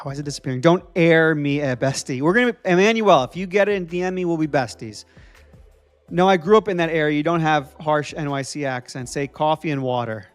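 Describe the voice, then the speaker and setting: A young man from New Jersey hosting a live stream, thinking aloud as he codes and answering viewers in casual chat. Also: a little high.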